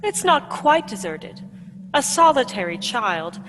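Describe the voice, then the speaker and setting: A woman's voice: on the high side, very animated, fairly bright tone. Woman as a solemn ghost in cavernous reverb. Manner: measured, solemn, formal. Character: Ghost of Christmas Past, solemn guiding spirit. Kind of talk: dramatic radio play acting. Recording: long cavernous reverb, faint background noise.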